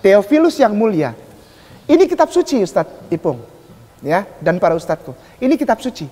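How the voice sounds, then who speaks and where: Animated man preaching in an echoey hall. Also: high voice, fairly quick. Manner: animated, emphatic, asks rhetorical questions. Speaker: preacher in a religious debate. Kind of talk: public lecture.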